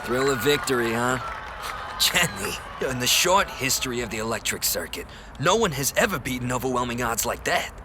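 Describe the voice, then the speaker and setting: An actor playing the hustling, excitable boss of an illegal racing racket in an audio drama. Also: male voice, mid-range voice, brisk, background noise, natural voice. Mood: hustling, impressed. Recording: music behind the voice.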